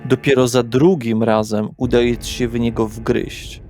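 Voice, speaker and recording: A man's voice: mid-range voice, little pitch movement, unhurried, a little mellow. A man running a tabletop horror role-playing session as game master, narrating scenes and talking through rules. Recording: background music under the voice. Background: music.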